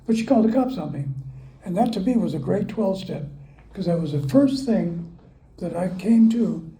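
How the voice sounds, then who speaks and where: A man's voice: sits high, expressive, normal speed, dark tone, echoey room, poor audio. An older man at a recovery meeting, telling his story in a folksy, self-mocking way. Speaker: AA speaker. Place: club meeting room.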